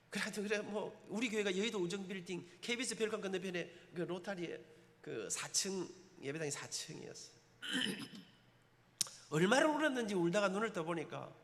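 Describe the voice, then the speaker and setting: Middle-aged Gyeongsang man, church elder, very high voice, impassioned testimony, long church reverb. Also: gravelly. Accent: Gyeongsang Korean. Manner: impassioned, emotional storytelling with dialect turns. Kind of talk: testimony sermon. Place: church sanctuary.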